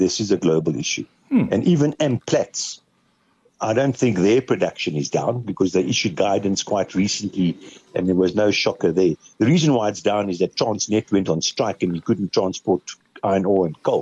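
This man has an ordinary speaking voice, fairly low in pitch. He talks at a moderate pace with ordinary pitch variation. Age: 60s. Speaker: portfolio manager, markets commentator. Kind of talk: casual chat.

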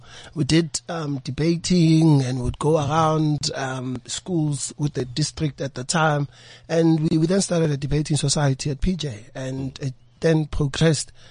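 At a fairly slow pace, this man's voice comes out somewhat breathy. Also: fairly high pitch for a man, fairly even intonation. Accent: South African. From South Africa, Soweto. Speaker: lawyer and political commentator. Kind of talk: casual interview. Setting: studio.

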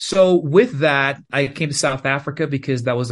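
Against a quiet background, a man talks at a fairly quick pace in a somewhat breathy voice. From Jamaica. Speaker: actor and voiceover artist. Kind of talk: interview. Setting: remote call.

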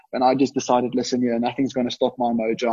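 In a South African accent, a man speaks at a medium pitch with a dark, mellow tone. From South Africa, Johannesburg. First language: Afrikaans. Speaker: rugby player. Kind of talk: interview. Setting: video call.

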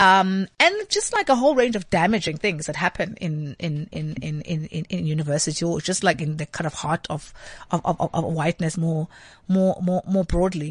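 A woman's somewhat breathy, fairly low-pitched voice at a moderate pace, with ordinary pitch variation and a dry, close sound lacking echo. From South Africa, Eastern Cape. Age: 40s. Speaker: professor and author. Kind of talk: interview. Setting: studio.

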